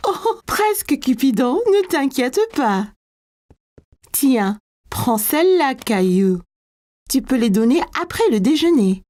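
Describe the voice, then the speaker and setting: A kindly cartoon storyteller, slightly high and expressive. She takes her time like someone reading a storybook to small children, with music behind. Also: slow, heavily acted. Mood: cheerful, reassuring. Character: kindly storytelling woman narrator, also voicing preschool teacher.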